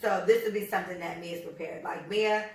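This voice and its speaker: An American woman in her thirties co-hosting a podcast, talking bluntly and profanely in an animated, storytelling way. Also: mid-range voice, a little fast, recorded from a distance. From United States. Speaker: podcast co-host. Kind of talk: casual chat. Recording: echoey room, voice off-mic.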